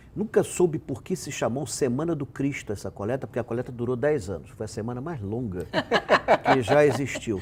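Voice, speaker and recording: Somewhat breathy and lively in intonation, a man's medium-pitched voice moves at a fairly quick pace. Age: 60s. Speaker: historian and architect. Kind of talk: interview.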